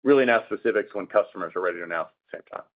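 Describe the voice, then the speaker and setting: A man speaking as a company executive on an earnings call, explaining answers in a measured, businesslike way. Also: sits low. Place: conference call. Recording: narrow phone-line conference call audio.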